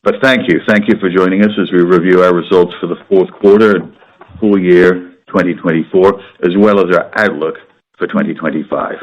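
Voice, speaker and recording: A man with a very deep voice, croaky from a sore throat, delivers business results in a measured, matter-of-fact way. The sound is dull and muffled, as if carried over a conference line. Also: steady tone. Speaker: company executive. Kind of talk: earnings call remarks. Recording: muffled conference-call audio.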